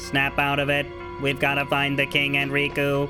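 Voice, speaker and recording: A man's put-on character voice, fairly high in pitch, with loud music in the background. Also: moderate pace. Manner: urging.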